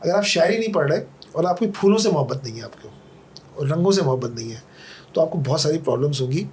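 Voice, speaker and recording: A man's voice: a little high, expressive, fast talker, a little mellow, slight background noise. A man from Karachi, a podcast guest, talking in a thoughtful, conversational way, telling anecdotes and quoting poetry. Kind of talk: reflective conversational Urdu talk.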